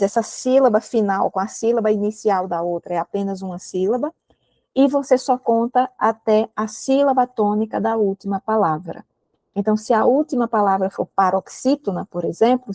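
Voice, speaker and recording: A woman's voice: medium pitch, mellow, no room sound. A woman with a Brazilian Portuguese accent teaching a recorded literature lecture to exam students, explaining patiently and often checking in with the class. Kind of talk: recorded prep-course lecture. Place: indoor room with a window, rain outside.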